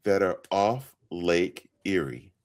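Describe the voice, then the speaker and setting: Playful male podcast host, lively low voice. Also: takes it slowly. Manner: playful quizmaster, laughs easily. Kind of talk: casual podcast hosting.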